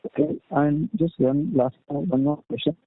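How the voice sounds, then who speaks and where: A man asking questions on a conference call, halting and hesitant, his voice muffled and breaking up as if heard through a wall. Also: on the high side, very animated, vocal fry, no room sound. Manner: halting, with many fillers. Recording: muffled tinny phone line.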